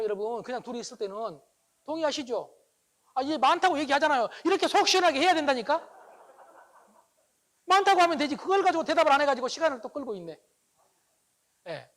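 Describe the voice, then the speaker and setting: A man giving a humorous lecture to a live audience, animated and teasing, often acting out dialogue. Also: very high-pitched.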